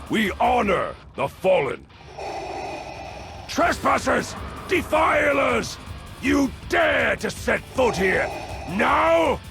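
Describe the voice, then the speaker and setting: An actor playing a menacing, solemn tribal warrior guarding sacred funeral pyres in a video game. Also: male voice, high-pitched, vocal fry, exaggerated voice. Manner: solemn, menacing, drawn-out shouting. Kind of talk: dramatic video game acting.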